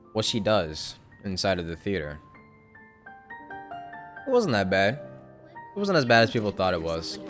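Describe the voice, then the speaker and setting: A man's voice: on the low side, a bit bright. A young man casually commenting on a game story during a live stream, rambling with hedges and the odd swear word.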